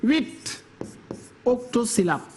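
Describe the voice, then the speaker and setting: A woman teacher giving a televised literature lesson, counting syllables slowly and deliberately. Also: fairly high pitch, very animated, a little mellow, slight background noise.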